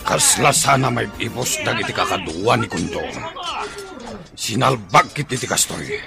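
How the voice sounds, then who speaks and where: A man playing a defiant tribal war chief in a radio drama, with an Ilocano Filipino accent and a forceful, gravelly voice. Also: fairly low pitch, lively intonation, normal speed, over loud music. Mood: grim, determined. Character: defiant male tribal chief leading warriors in battle.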